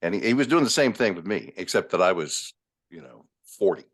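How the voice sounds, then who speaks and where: A middle-aged man with a fairly low voice conducting a relaxed interview. He talks hesitantly with many fillers and offers soft agreeing sounds. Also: a little fast. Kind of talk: casual interview.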